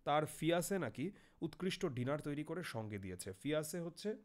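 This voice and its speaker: A young man teaching a literary text, his voice sitting a little high for a man. He reads a line, then stops to ask what a word means and answers it himself. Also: lively intonation, a little fast. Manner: reads a passage, then explains each word with questions.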